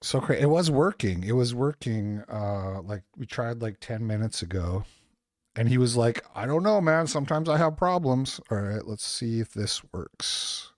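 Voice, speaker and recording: A man from Saskatchewan hosts a casual livestream podcast, chatty and easygoing, at an average pitch. He talks over a remote call setup, and the sound is close and dry with no room around it. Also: animated, moderate pace, no echo. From Saskatchewan, Canada. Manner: easygoing, chatty, laughs often. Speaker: podcast host.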